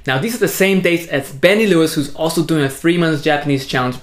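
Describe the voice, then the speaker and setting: A man speaks casually to camera in his thirties. His voice sits slightly high and his delivery is upbeat, with quick bursts of emphasis. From born in Hong Kong, raised in California. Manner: upbeat and energetic, punchy emphasis on key words. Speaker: vlogger on a language challenge. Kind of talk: casual video update to camera.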